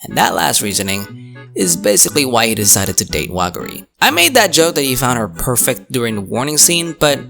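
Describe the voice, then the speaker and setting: A man's voice: medium pitch, very animated, a little fast, creaky, sharp tone, soft background music. A man narrating a comedic scripted story recap in a sarcastic, crude, sweary way. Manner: sarcastic, crude, swearing, puts on character voices. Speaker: YouTube manga recap narrator.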